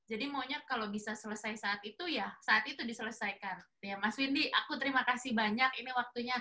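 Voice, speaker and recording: A woman hosts a casual interview and asks friendly questions. Her voice is bright and sits slightly high. She keeps the talk easy and relaxed. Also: fast talker. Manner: friendly, asks questions, short backchannel replies. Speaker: interviewer host.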